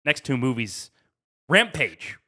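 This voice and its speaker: A man with a medium-pitched, noticeably bright voice. He acts as quizmaster on a podcast, delivering questions and scores in a casual, chatty style. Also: big pitch swings, slow pace. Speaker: podcast host running a quiz.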